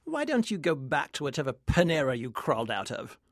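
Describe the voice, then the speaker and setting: A man's voice: on the high side, huge pitch swings, brisk, fairly bright tone, no room sound, clean studio sound, heavily acted. A man playing theatrical kitchen figures, rival and underling, in a melodramatic, arch audio play parody. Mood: sneering.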